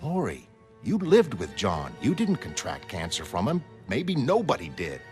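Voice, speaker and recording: A man's voice: fairly low pitch, huge pitch swings, unhurried, darkish tone. A man playing an earnest, analytical middle-aged former hero laying out his reasoning. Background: music.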